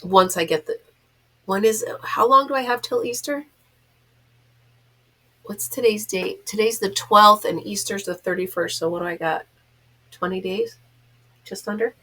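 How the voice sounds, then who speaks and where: A mature woman hosts a casual vlog in a mid-pitched voice. She sounds congested and nasal, as if pinching her nose. Her talk rambles along in a chatty, self-mocking way. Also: a little slow, pauses often, bright, forceful tone. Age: middle-aged or older, a grandmother. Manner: rambling, self-deprecating, giggly. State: stuffed up from being sick. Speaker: host of a crochet vlog.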